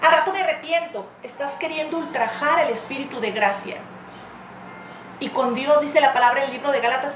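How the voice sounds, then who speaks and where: A high-pitched woman pastor preaches, fervent and direct with her listeners. The sound is roomy and echoey, with a faint noise floor beneath it. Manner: impassioned preaching, acting out tearful prayers. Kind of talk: sermon.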